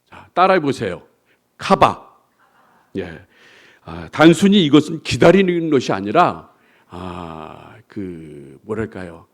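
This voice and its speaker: A man's voice: fairly low pitch, sing-song, slow pace. A male pastor preaching a sermon, asking the congregation to repeat after him and acting out the complaints of believers. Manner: acts out complaining believers in quoted voices.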